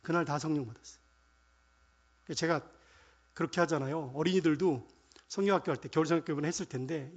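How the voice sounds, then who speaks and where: High-voiced, animated preaching pastor. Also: male voice, husky, dull audio. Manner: animated preaching, swings from soft asides to loud proclamations; quotes scripture in archaic phrasing and leads the congregation in call-and-response. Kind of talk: sermon.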